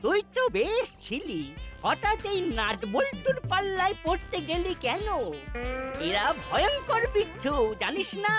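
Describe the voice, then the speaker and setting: A pompous, excitable old man from a cartoon. The voice is very high and swings widely up and down, exclamatory and blustering. Music runs behind it. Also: unhurried, exaggerated voice. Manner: pompous, exclamatory, easily panicked.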